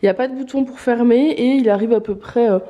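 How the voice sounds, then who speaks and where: A fast-talking woman with a voice on the high side, heard in an echoey room with the highs cut off. She runs an online clothing shop and is doing a casual try-on vlog in front of an indoor mirror. A lingering cough makes her sound congested as she chats with many fillers and enthusiastic outfit praise.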